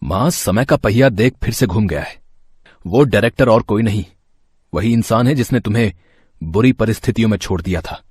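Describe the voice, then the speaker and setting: A man's voice: fairly low pitch, moderate pace, a little mellow, husky, no room sound, clean studio sound. A man voicing a grown son fiercely loyal to his mother, firm and reproachful. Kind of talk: storybook voice acting.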